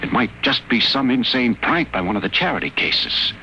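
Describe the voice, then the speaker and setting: An actor playing a wry, wary sanitarium patient with a dry, articulate delivery in a 1950s radio drama. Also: male voice, mid-range voice, expressive, normal speed, pushed and bright, low-quality recording. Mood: grave, confiding. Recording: old 1950 radio broadcast, faint noise.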